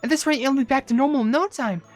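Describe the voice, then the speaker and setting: A woman's voice: sits high, quick pace, soft background music, natural voice. A woman voicing a small, devoted cookie attendant in a game cutscene, caring, eager and pleading. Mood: excited. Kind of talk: video game cutscene voice acting.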